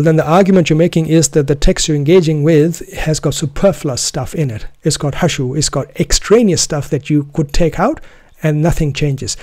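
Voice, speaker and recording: A man whose first language is Urdu gives an earnest, deliberate solo talk about his method of study, often restarting phrases to stress a point. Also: a little high, dark tone, dry recording, studio quality. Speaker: Quran student presenting his method.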